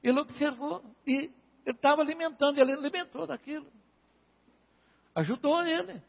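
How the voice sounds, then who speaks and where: A man's voice: very high voice, normal speed, vocal fry. A man preaching an informal sermon to a congregation, chatting and calling on listeners by name. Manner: conversational, calls on listeners by name. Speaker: pastor. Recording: dull, reverberant hall recording.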